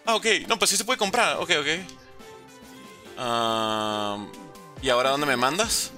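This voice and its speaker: Excitable young gamer man. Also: mid-range voice, unhurried. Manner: animated, excitable, talks to viewers. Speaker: gaming YouTuber. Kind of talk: gameplay commentary. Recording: game music behind voice.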